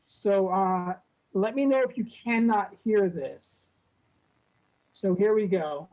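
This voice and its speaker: A woman casually presenting a software demo on a video call at a club meetup, talking in a relaxed way with lots of fillers. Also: medium pitch, slow, low-quality recording.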